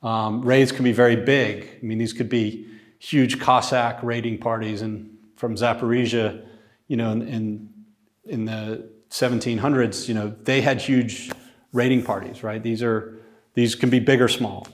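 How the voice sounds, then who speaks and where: A man's voice: medium pitch, measured pace. Man lecturing casually in a classroom. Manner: conversational, animated, gestures while talking. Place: classroom with a wall screen.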